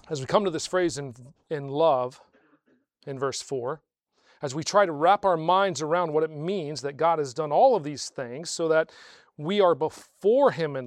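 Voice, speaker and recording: A man preaching a sermon to a congregation, asking rhetorical questions and slowing down to stress key phrases. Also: fairly high pitch, dry recording. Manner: swells louder on key phrases, slows for emphasis. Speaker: pastor.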